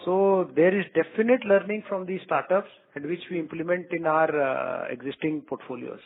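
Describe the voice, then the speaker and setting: A man with an Indian accent, a company executive answering analyst questions haltingly on a conference call. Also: fairly high pitch, creaky. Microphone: phone line. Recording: tinny phone conference line.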